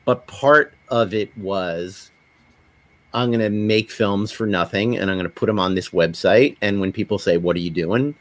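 A middle-aged man with a lowish voice and a moderate pace, recorded dry, tells anecdotes conversationally during a panel discussion and slips into quoted dialogue along the way. He is an independent filmmaker appearing as a podcast panelist.

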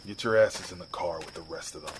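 A man playing a gruff, menacing pack leader. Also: low-pitched, fast talker, noisy background, lightly acted. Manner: commanding, threatening. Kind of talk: audio drama acting. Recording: music bed under voice.

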